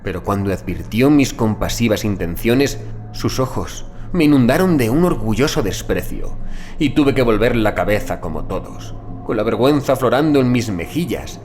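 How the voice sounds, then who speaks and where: A man narrating a scripted first-person horror story in a measured, deliberate literary manner. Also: fairly low pitch, animated, a little mellow, a little hiss or hum. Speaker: audiobook narrator.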